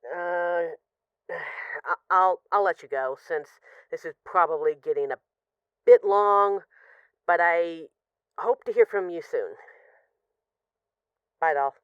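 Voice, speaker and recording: A woman's voice: fairly low pitch, slow pace, pauses often, clear, resonant tone, no echo, highs cut off. A woman playing an affectionate, wry mafia boss who misses her partner, rambling hesitantly through intimate voicemails in an audio roleplay. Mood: tender, hesitant. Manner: hesitant, sighing, wry, conversational.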